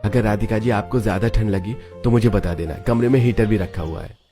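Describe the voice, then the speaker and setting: A man's voice: on the low side, brisk, over music, lightly acted. Man voicing a courteous young husband. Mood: sweet. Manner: courteous, cheerful. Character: polite young rich husband, sweet and eager.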